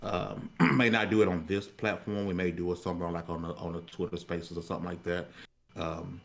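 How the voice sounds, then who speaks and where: A man's voice: low voice, flat delivery, fairly quick, gravelly. An American man hosting a podcast in casual, unscripted, colloquial talk, often repeating words as he searches for phrasing. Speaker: podcast host.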